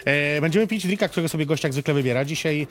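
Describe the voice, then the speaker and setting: A man's voice: on the high side, fast talker. A man hosting a casual chat over drinks, playful and joking, swearing casually. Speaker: host.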